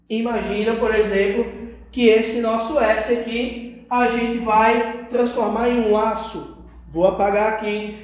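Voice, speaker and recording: A woman's voice: a little high, darkish tone. A woman teacher with a Brazilian accent giving a video lesson to children, patient and checking they follow along. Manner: patient, keeps checking understanding with tag questions. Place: classroom with a whiteboard. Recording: very echoey room.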